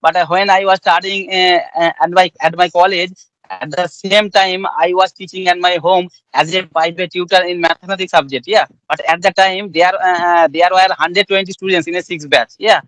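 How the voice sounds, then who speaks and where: A man with a Bengali accent, speaking English as a second language, politely asks questions, with plenty of yes and uh. His voice is fairly high. The recording is dry and close. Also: steady tone, moderate pace, fairly bright tone, dry recording, rough recording. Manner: polite, repeated yes and fillers. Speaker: hospital worker practicing English. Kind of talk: casual conversation practice.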